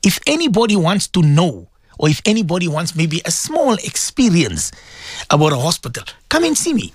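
A man's voice: high voice, sing-song, moderate pace, husky, no echo, clean studio sound. A middle-aged man hosting a religious radio show, talking to listeners in an emotional, pleading way and often repeating himself.

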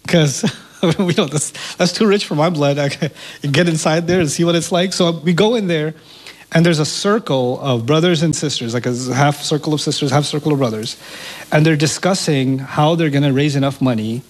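A man whose first language is Urdu tells a personal story as an interview guest, animated and repeating words as he gets excited. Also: fairly high pitch, moderate pace. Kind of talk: storytelling in conversation.

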